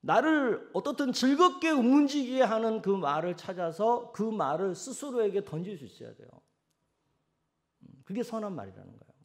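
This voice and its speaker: A man preaches a sermon in a fairly high voice. His pitch swings widely as he throws questions at the congregation. Between these he drops into soft, low tones to act out everyday sayings. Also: very animated, moderate pace. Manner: asks the congregation direct questions. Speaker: senior pastor.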